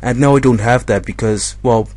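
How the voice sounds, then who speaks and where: A young man commentating his own game in a casual, rambling way, his voice slightly hoarse from being a bit ill. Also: medium pitch, moderate pace, a little mellow. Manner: chatty, rambling, self-correcting. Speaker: gaming commentator.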